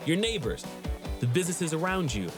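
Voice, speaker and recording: A man's voice: on the high side, big pitch swings, a little fast. A man hosting a home-buying show as a realtor, narrating with upbeat enthusiasm and chatting with buyers. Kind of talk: scripted narration and on-site chat. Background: background music.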